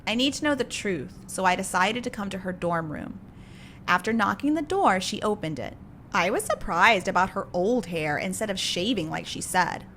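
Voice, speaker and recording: A woman's voice: mid-range voice, animated, moderate pace, fairly bright tone, slight background noise. A woman narrating a dramatic first-person story in a plain storytelling manner. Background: music.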